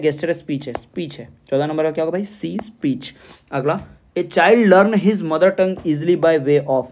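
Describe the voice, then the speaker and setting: A man teaching an exam-prep lesson. He reads English questions slowly, explains them quickly in Hindi, and repeats the answers. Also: fairly high pitch, mellow. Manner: repeats answers and spells words out letter by letter.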